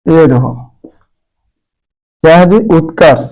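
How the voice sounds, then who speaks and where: A man's voice: a little high, takes it slowly, a little mellow, low-quality recording. A man teaching a grammar lesson to pupils at a board, repeating key words and quizzing them. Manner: addresses pupils as "मेरे प्यारे बच्चों".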